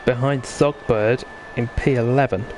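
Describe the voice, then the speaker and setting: A man hosts a live sim racing broadcast as lead commentator. He talks in a chatty, bantering way at a middling pitch, with noticeable noise behind his voice. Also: steady tone, measured pace.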